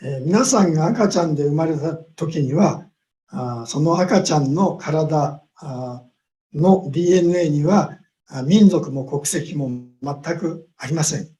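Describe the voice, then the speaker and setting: Man lecturing slowly over a video call. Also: a little high, warm tone. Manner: measured, pausing with long drawn-out fillers. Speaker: guest speaker. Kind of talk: lecture with consecutive interpretation.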